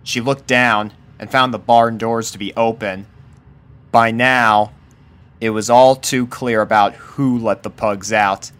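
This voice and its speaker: A man's voice: on the low side, steady tone, slow, a bit bright, clear, resonant tone. A man reading a scripted story aloud as the narrator of fan fiction.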